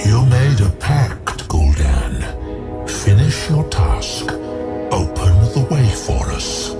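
A man voicing a commanding, contemptuous demon lord in a fantasy audio drama, with slow menace. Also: on the low side, sing-song, loud music behind the voice.

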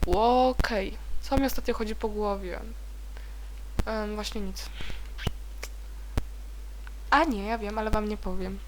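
A young woman casually commenting as she plays a video game, chatty and easily startled into high shrieks. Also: fairly even intonation, takes it slowly, long pauses, darkish tone, slight background noise. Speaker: let's play gamer.

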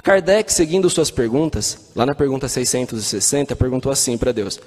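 A man's voice: medium pitch, a little fast, a little mellow, breathy edge. Brazilian man lecturing in a reverberant hall. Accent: Brazilian Portuguese. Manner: storytelling, acts out quoted voices, rhetorical questions. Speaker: spiritist lecturer. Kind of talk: spiritist talk.

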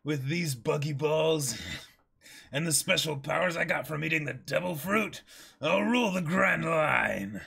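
Guy putting on a bossy evil pirate captain, gloating and theatrical, bright forceful voice that swings around. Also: fairly high pitch, lively intonation, a little slow, creaky, husky, full character voice. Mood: menacing, gloating. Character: boisterous, menacing pirate captain with theatrical villainy.

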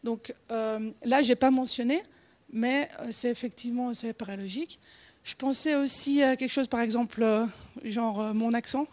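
A woman's voice: fairly high pitch, fairly even intonation, normal speed, a little mellow. A woman in her forties with a Genevan Swiss French accent, giving an informal conference talk with many fillers, restarts and small laughs. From Switzerland. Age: 40s. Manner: hesitant, frequent fillers and restarts, laughs often. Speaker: conference speaker.

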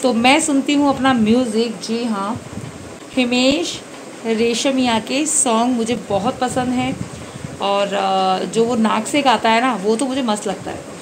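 A woman in her thirties with a hoarse voice, chatting casually to viewers in a home vlog, holding a phone camera at arm's length. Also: on the high side, a little slow. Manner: chatty, addresses viewers directly. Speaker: vlogger. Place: small room at home, indoors. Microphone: phone camera held at arm's length. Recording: noisy home phone recording.

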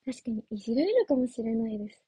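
A woman's voice: fairly high pitch, quick pace, mellow, husky, no echo. A young woman chatting casually on a livestream as an idol trainee, giggly and playful as she answers viewer comments. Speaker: idol trainee streaming live.

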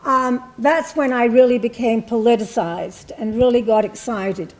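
An older woman from England, a panelist, speaking in a reflective, measured way about her past, with frequent ums and restarts, in a university hall. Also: a little high. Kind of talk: personal recollection at a panel talk. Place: university hall with a seated audience.

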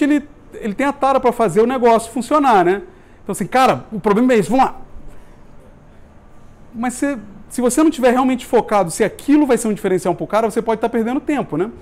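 Brazilian man, thirties, fairly high voice, informal joking tech talk, small office room, distant camera. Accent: Brazilian Portuguese. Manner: informal, jokey, swears casually, lively hand gestures. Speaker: meetup speaker on UX. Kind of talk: casual conference talk. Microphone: far camera.

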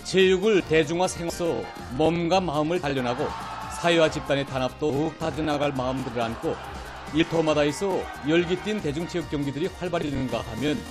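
A man with a North Korean accent reading scripted television news as an anchor. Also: fairly high pitch. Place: TV studio.

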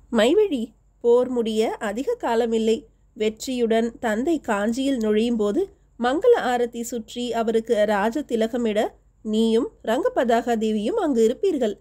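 A woman narrating a historical novel as an audiobook, reading every character's lines in her own steady voice. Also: on the high side.

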